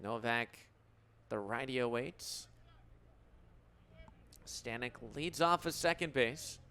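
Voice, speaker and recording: A man's voice: mid-range voice, slow pace, sharp tone, clear, resonant tone. A young American man in his twenties calling baseball play-by-play for radio in clipped, descriptive phrases. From United States. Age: 20s. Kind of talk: radio sports commentary.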